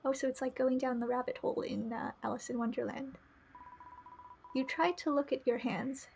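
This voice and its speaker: High-pitched, creaky woman streaming a game. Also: steady tone, moderate pace, a little mellow, slight background noise. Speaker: streamer playing a visual novel. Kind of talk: live game stream, reading dialogue aloud with chatty asides.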